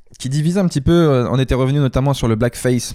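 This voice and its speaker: A man's dark, mellow voice at a medium pitch and a very fast pace. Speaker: podcast co-host. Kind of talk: casual chat.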